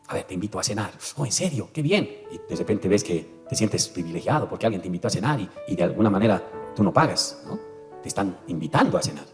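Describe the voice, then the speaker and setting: A man preaching a sermon as pastor, rising sharply in pitch and volume on emphatic lines. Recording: long hall reverb with faint music.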